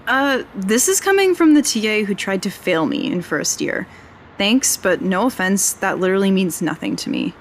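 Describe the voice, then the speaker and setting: A woman's voice: medium pitch, animated, moderate pace, a little hiss or hum, close to an everyday voice. An actor playing an earnest, wry young woman fresh out of journalism school who is investigating a mystery, in a naturalistic audio drama. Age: young adult.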